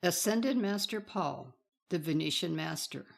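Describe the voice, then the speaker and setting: A woman's voice: on the low side, expressive, a little slow, vocal fry. A woman reading a scripted spiritual teaching in a solemn, reverent, formal manner.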